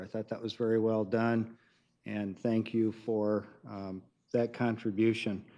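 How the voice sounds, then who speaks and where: A man speaks in an American accent with a dark, mellow tone. His pitch is medium and his intonation is monotone and flat. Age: 60s. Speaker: city council member. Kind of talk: council meeting remarks.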